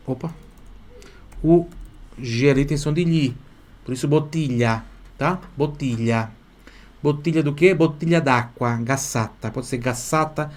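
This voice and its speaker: A man leads a live online Italian lesson, speaking at a middle pitch. He patiently repeats each phrase in slow, careful drills and keeps urging students to say them out loud. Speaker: Italian teacher.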